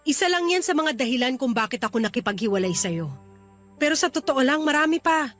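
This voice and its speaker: Isang babaeng gumaganap sa dramang pag-ibig sa radyo bilang prangka at malungkot na dalagang nakikipaghiwalay sa nobyo. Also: female voice, high voice, lively intonation, fairly quick, fairly bright tone, faint music behind. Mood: resigned, firm. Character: unhappy young woman bluntly breaking up with her boyfriend. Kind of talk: radio romance drama acting.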